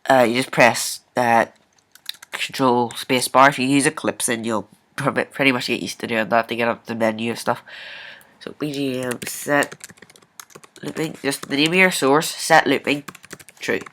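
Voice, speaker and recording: A man hosting a casual coding screencast, thinking aloud informally and haltingly as he works at his computer. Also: mid-range voice, steady tone, bright, forceful tone, a little hiss or hum. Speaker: programming tutorial host. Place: indoors at a computer, screen recording.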